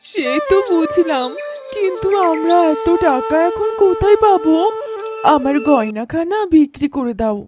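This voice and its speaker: A woman's voice: high-pitched, lively intonation, normal speed, loud music behind the voice. A woman voicing a practical, devoted farmer's wife in a cartoon story, speaking expressively. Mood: concerned.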